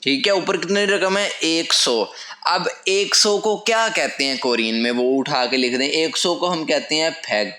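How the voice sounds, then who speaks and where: A man teaches patiently, walking through each step and repeating key phrases. His voice sits a little high and sounds very bright. It is recorded in an echoey room. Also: a little slow. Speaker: language teacher. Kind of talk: whiteboard lesson explanation.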